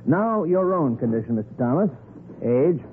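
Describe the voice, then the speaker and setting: An actor playing a smooth, officious con man with falsely sympathetic manner in a 1940s radio drama. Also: a little high, big pitch swings, moderate pace. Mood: brisk, polite. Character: smooth, crisp male con artist posing as health researcher. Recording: noisy, narrow-band 1940s radio recording.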